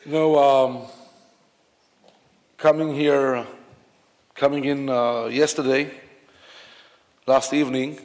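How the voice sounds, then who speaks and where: A man from Israel with an Israeli accent, giving a memorial eulogy in a halting, reflective way with many fillers and restarts. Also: medium pitch, fairly even intonation, darkish tone. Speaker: officiant at a memorial service. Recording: long hall reverb.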